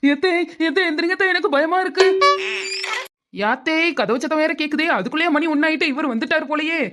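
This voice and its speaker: Woman as a cheeky young cartoon daughter-in-law, high and fast, flustered. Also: natural voice. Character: sleepy, sharp-tongued young daughter-in-law. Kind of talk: cartoon voice acting.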